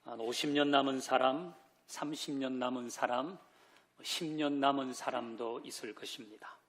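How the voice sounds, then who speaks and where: A man's voice: medium pitch, fairly even intonation, normal speed, a bit bright. A man preaching a Sunday sermon as pastor, who asks the congregation questions, leads them in reading scripture and drops in light joking asides. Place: church sanctuary.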